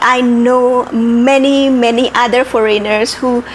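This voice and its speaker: A woman's voice: fairly high pitch, steady tone, a little slow, slight background noise, low-quality recording. A woman in her forties from Indonesia, with an Indonesian accent, explaining things in a casual chat and listing examples. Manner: explanatory, lists examples, frequent yeahs. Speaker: vlogger and parent.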